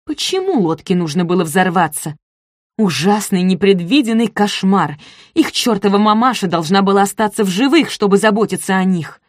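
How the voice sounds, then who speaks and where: A woman reading an audiobook, voicing a spoiled, scornful young woman kidnapper in a shrill, indignant way. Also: expressive, normal speed, no echo, clean studio sound, natural voice.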